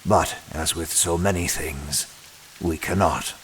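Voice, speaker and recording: An actor playing a composed, evasive keeper of a mysterious prison manor, formal and guarded, in an audio drama. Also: male voice, low voice, fairly even intonation, slow, a little hiss or hum, poor audio. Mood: diplomatic.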